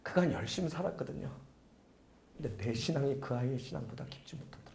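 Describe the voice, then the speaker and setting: A middle-aged male pastor preaching a sermon, telling a story dramatically, swinging from loud urgency to a hushed near-whisper. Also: mid-range voice, animated, fast, creaky, a little hiss or hum.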